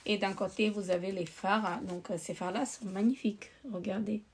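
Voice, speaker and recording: A woman's voice: medium pitch, fairly even intonation, moderate pace, breathy edge. A woman beauty vlogger chatting casually while showing her makeup, with lots of hesitations and restarts. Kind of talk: casual chat.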